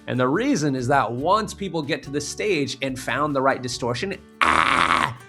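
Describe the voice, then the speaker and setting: A man's voice: medium pitch, expressive, moderate pace, a bit bright, faint music behind. A man giving an instructional tutorial as a vocal coach, explaining emphatically step by step.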